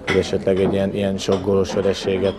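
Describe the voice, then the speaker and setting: Hungarian male interviewee, very flat delivery, reflective, crowd audible behind. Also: low voice. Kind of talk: reflective post-match interview.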